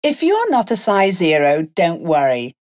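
A woman's voice: on the low side, huge pitch swings, a little slow, background noise. A woman playing a polished radio news announcer, reading a scripted introduction in a composed manner. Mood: composed, informative. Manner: clear, composed newsreading.

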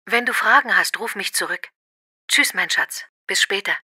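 Very bright sharp voice, actress as affectionate woman leaving her partner a voicemail, clear diction, dry sound. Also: medium pitch, moderate pace, no room sound. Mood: affectionate, asking. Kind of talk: acted voicemail message for a listening exercise.

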